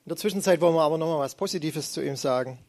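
A man's voice: a little high, very fast, darkish tone. A middle-aged man preaching a sermon, retelling scripture in a conversational, storytelling manner.

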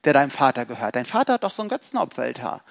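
A man preaching a sermon in a lively, rhetorical way, asking questions and acting out people's thoughts. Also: medium pitch, rapid-fire, creaky.

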